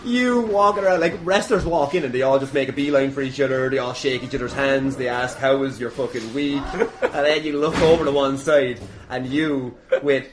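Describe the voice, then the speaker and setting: A man's voice: mid-range voice, normal speed. Sweary Irish man bantering over noticeable noise. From Ireland. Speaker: podcast host and wrestler. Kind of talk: casual podcast chat. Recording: clearly noisy background with clicks.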